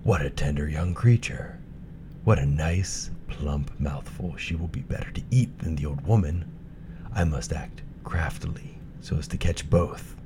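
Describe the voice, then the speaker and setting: Male reader as scheming storybook wolf, low and quiet, crafty murmur. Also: normal speed, noisy background. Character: sly hungry male wolf, wicked, scheming.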